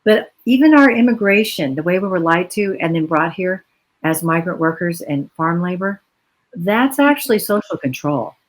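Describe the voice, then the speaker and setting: A woman's voice: lowish voice, lively intonation, moderate pace, poor audio. A woman from the United States speaking on a virtual panel over a video call, earnest and reflective, with long flowing explanations.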